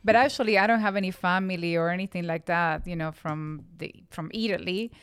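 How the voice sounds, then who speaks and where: A woman's voice: on the low side, brisk, smooth, dry recording, studio quality. A middle-aged woman from Argentina with an Argentine Spanish accent, a native Spanish speaker, chatting as a guest in a playful, teasing way. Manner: playful, teasing, laughs easily. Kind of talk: casual interview chat.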